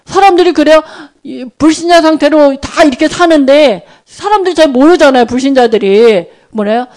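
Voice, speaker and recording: A woman's voice: high-pitched, normal speed, darkish tone. A woman giving an informal sermon on evangelism, speaking conversationally and often checking that listeners agree.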